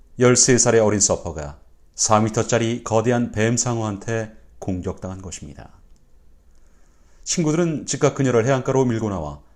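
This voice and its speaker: On a very clean recording with a silent background, a man speaks at a medium pitch. His intonation is lively and his pace moderate. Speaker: channel host, narrator of true inspirational stories. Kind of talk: storytelling narration of a true story.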